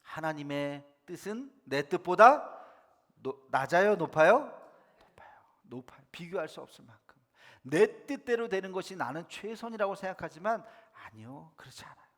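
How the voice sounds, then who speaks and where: A man preaching with a high, lively voice that swoops up and down as he throws questions at the congregation. His tone is bright and ringing, and it carries a long reverb through a church sanctuary. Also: normal speed. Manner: emphatic, asks the congregation questions. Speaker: pastor. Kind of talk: sermon.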